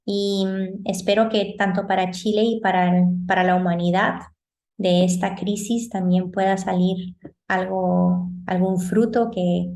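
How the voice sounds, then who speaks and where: A woman with a Peruvian accent interviewing a guest, speaking in a gentle, reflective way and searching for words. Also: mid-range voice. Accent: Peruvian Spanish. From Peru. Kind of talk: conversational interview. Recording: roomy echoey sound.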